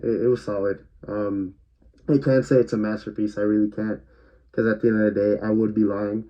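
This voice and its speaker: A man's voice: fairly low pitch, flat delivery, fairly quick. A man giving a casual spoken movie review, hesitant and stuttering, with many fillers. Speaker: film reviewer. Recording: dull lo-fi recording.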